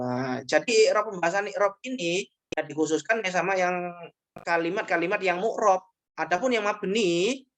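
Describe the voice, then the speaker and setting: A man's voice: on the high side, fairly bright tone. A man teaching grammar in an online class, explaining patiently and repeating each point with short checking tags.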